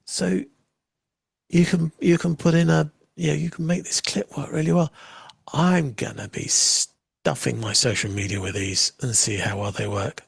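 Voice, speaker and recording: Gravelly husky man chatting on a livestream. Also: fairly high pitch, fairly even intonation, a little slow, no room sound, studio quality. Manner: chatty, wry asides while waiting. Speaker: livestream host demoing software. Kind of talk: casual live demo chat.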